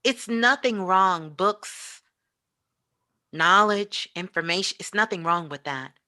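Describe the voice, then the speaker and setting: A woman's voice: fairly low pitch, animated, slow, bright, forceful tone, no echo, studio quality. A woman giving a spiritual motivational talk, speaking emphatically and repeating phrases for effect. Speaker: spiritual teacher and show host, as guest.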